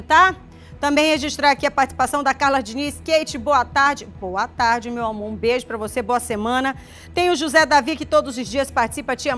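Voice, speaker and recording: A high-pitched woman from Maranhão, Brazil, presents live regional TV news through a studio lapel mic, with faint music underneath. Chatty and direct, she checks in with viewers using quick "tá?" tags and warmly reads their messages back, greeting people by name.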